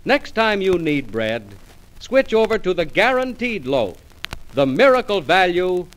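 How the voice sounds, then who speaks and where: On a slightly noisy old broadcast, a male announcer delivers a scripted pitch in 1940s radio style. His voice is fairly high and very animated, polished and persuasive. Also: measured pace.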